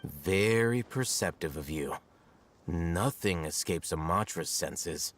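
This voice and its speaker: An actor playing a smug, calculating scholar in an anime-style video game, speaking in a measured, sardonic, articulate way. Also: male voice, deep voice, animated, slight background noise. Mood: probing, sardonic. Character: smug, calculating male scholar, probing and condescending.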